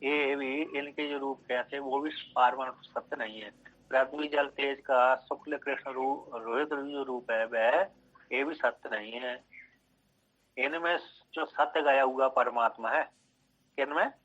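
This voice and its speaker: Slow-speaking man teaching scripture, lo-fi. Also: medium pitch, fairly even intonation, a bit bright. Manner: repeats phrases, checks understanding with short questions. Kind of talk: slow explanatory scripture lecture. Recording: dull lo-fi recording.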